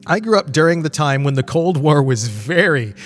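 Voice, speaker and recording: Middle-aged man, higher-pitched voice, casual podcast. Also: lively intonation, normal speed, faint music behind. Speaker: podcast host. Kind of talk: casual rambling podcast monologue.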